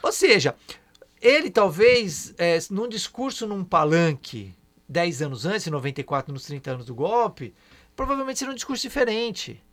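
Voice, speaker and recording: A man's voice: high-pitched, sing-song, moderate pace, a bit bright. A man, hosting a casual discussion and explaining at length, often checking in with tag questions. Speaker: podcast host and history teacher.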